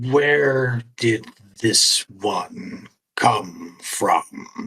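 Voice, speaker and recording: This man puts on a character voice. His pitch sits at a medium level. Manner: slow, deliberate.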